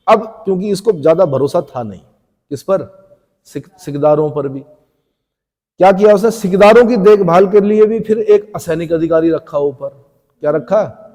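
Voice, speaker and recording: A male teacher delivers an exam-prep lecture. He keeps asking questions and answering them himself. His voice is fairly high and mellow, with a long echo from the room. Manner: asks questions and answers them himself, repeats key terms. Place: coaching classroom. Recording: echoey room with long reverb.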